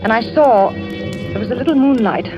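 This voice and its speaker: Young actress as a scared young wife in an old radio play, fairly high voice, tense and hushed, music under a dull recording. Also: female voice, moderate pace, natural voice. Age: young adult. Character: young wife telling a frightened tale. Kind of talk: 1940s radio acting.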